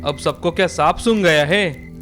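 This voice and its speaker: Shrewd old village elder, deep and stern, scolds the cowards — a woman doing the voice. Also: soft background music, lightly acted. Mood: scolding. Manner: gruff, scolding, measured.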